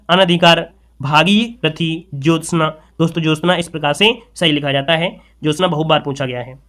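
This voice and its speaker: A male exam-prep tutor with a high, bright, forceful voice works through a spelling lesson. He keeps calling his viewers friends and stretches out key words slowly so every letter lands. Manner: explains point by point, keeps addressing the audience as friends; drags out words to stress their spelling. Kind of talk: spoken lesson on Hindi spelling.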